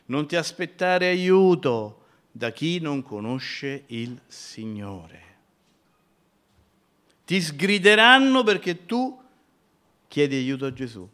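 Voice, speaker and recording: A man preaching a sermon, who builds from calm teaching to loud, impassioned shouting as he addresses the congregation as brothers. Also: mid-range voice, takes it slowly.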